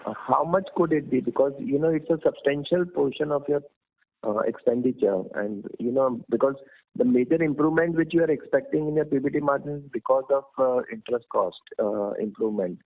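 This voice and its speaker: A man's voice: medium pitch, fairly quick. A man with an Indian accent asking questions as an analyst on an earnings call. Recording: narrow tinny phone line.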